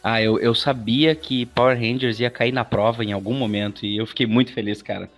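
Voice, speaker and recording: A man's voice: mid-range voice, steady tone, fairly quick, faint music behind. A man with a Brazilian accent telling stories as an interview guest in a casual, chatty way, acting out quoted asides.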